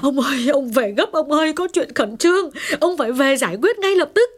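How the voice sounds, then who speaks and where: A woman voicing a gentle, anxious middle-aged mother who pleads with her husband in an audiobook. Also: mid-range voice, lively intonation, normal speed, natural voice. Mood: pleading. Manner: pleading, worried.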